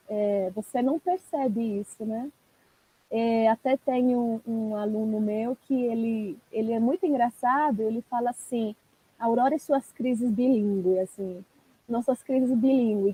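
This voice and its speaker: Chatty woman, husky. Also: a little high, mellow, rough recording. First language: Italian. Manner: chatty, laughs often, addresses viewers as "gente". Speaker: guest language teacher. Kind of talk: casual live-stream conversation.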